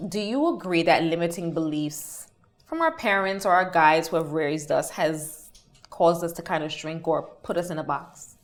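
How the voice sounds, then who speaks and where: A woman's voice: deep voice, lively intonation, normal speed. A woman hosting an interview, affirming and reflective as she asks her questions. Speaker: host. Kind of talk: interview talk.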